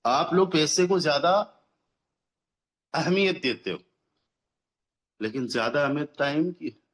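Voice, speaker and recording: A man in his thirties giving a motivational business pitch as a team leader, persuasive, repeating phrases for emphasis and mixing English words into his speech. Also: measured pace, fairly bright tone. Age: 30s. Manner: mixes English words into Hindi. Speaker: network marketing team leader.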